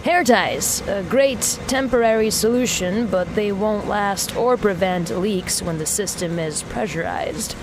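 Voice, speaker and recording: A woman's voice: mid-range voice, measured pace, few pauses, background noise, lightly acted. An actress playing a brash, self-assured young woman mechanic in a sci-fi audio drama, talking wryly into a recording as if interviewing herself. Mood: matter-of-fact, musing. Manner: wry, self-interviewing, casually sweary.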